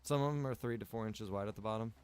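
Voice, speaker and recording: A man's voice: lowish voice, fast talker, a little mellow, smooth. An American man, a video game streamer, chatting casually during gameplay in a rambling, slangy, informal way with some mild swearing. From Pennsylvania, United States.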